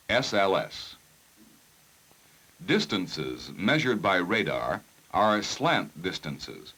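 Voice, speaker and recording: Deep-voiced male 1960s training film narrator. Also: pushed and bright, low-quality recording. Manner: formal, measured, precise enunciation. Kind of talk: scripted technical narration.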